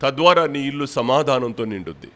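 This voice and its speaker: A male pastor preaching a sermon, rebuking his listeners with a string of pointed rhetorical questions and swinging between loud and quiet. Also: mid-range voice, lively intonation, a little fast. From India.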